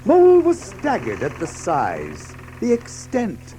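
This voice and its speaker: A man's voice: sits high, wildly swooping pitch, slow pace, warm tone, a little hiss or hum. A man narrating a scripted children's story as a storyteller. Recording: music behind the voice. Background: music.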